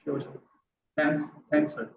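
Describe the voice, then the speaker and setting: A man asking questions as a participant on an earnings call. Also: takes it slowly. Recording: distant, echoey, muffled, noisy call line.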